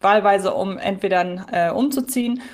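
A woman with a mid-pitched voice co-hosts a podcast. She talks casually and explains her points deliberately. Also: darkish tone. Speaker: podcast co-host. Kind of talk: casual discussion.

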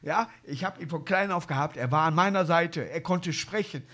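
A man's voice: a little high, normal speed, a bit bright. A man hosting a live comedy podcast, rambling through anecdotes and chuckling often. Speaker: podcast host. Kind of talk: casual comedy chat.

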